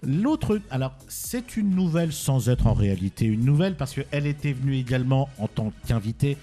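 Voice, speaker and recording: A male radio presenter talks casually in a mellow voice. He teases, wanders and corrects himself as he goes, with light music underneath. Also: mid-range voice, lively intonation, moderate pace. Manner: rambling, self-correcting, teasing. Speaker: radio host.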